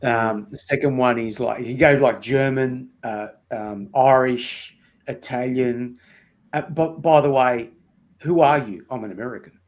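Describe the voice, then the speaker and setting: Give me a measured Australian man with a mid-range voice making his case in a debate. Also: medium pitch. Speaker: debate guest. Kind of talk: podcast debate.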